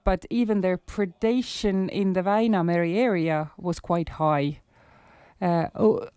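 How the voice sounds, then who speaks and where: A man with an Estonian accent, hoarse today, giving a research presentation in a halting way with many filler sounds. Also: high-pitched, darkish tone, no echo. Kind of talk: conference presentation.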